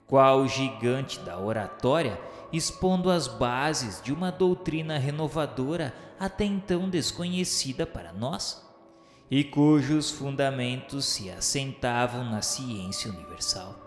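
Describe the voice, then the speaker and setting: A man with a Brazilian accent giving a solemn, literary radio narration in a formal, declamatory, measured way. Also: medium pitch, expressive. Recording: echoey hall-like reverb under music. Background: music.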